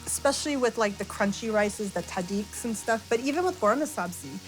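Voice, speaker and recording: A middle-aged woman with an American accent, explaining a dish and telling personal stories in an expressive way as a guest cook. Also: medium pitch, a little fast, rough recording. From born in Iran, raised in Arizona, US. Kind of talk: cooking demonstration with personal storytelling. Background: music and frying sizzle.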